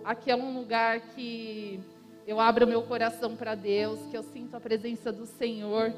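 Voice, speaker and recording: A young woman giving an unhurried, cheerful speech of thanks in a church. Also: a little high. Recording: reverberant church hall.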